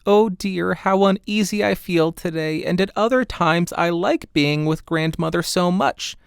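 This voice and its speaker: A man's voice: high-pitched, a little slow, vocal fry, smooth, dry recording, clean studio sound, voice pushed up. A man voicing an innocent, anxious little girl in a storybook, earnest and full of wonder. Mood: uneasy.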